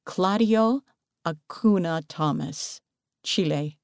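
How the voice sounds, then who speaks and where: A woman reading a magazine article aloud as scripted narration, earnest and measured. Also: on the low side, gravelly, no echo, studio quality.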